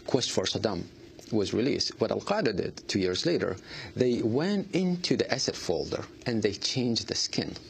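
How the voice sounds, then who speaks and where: A man answering interview questions earnestly, halting often with fillers and restarts. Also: on the low side, creaky, slight background noise. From Iraq. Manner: halting, many fillers and restarts, non-native grammar. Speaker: artist guest.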